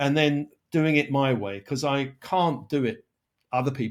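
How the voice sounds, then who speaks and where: Fairly high-pitched man's voice in a southern English accent, with big swings in loudness, on a very clean recording with a silent background. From England. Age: 60s. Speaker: spiritual guide. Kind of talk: interview.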